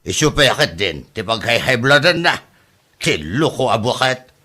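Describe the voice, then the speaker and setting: A man's voice: medium pitch, very animated, normal speed, bright, forceful tone. A man with an Ilocano accent playing a grown son who lectures and scolds his family in a comedy drama. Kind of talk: scripted drama acting.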